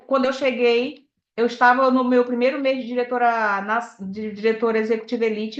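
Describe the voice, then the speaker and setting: Through echoey, muffled lo-fi audio, a woman with a fairly high pitch gives a motivational talk as a sales director. She speaks with animation and shares personal anecdotes. She also questions the audience directly.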